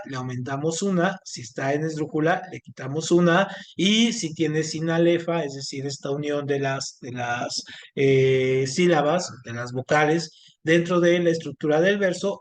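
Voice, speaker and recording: A man teaching an online class, speaking haltingly with many fillers and restarts. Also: on the high side. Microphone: video call.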